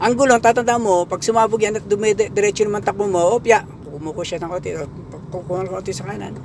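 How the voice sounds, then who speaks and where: Amid noticeable background noise, a man with a high-pitched voice talks at a very fast pace. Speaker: driving instructor. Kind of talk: driving lesson instruction. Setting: in a car. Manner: casual, instructive.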